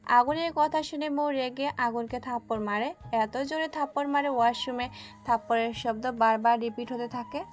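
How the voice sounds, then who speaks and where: A woman narrating a dramatic audio story in a steady, scripted storytelling manner. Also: fairly high pitch, moderate pace, faint music behind.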